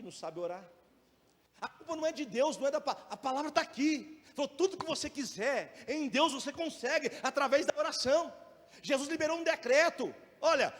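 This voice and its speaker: A man preaching a sermon as pastor, with a Brazilian Portuguese accent, asking rhetorical questions and swinging between loud and soft, fast and slow. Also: very high voice. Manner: preaching with shifting loudness and pace, rhetorical questions. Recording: long hall reverb.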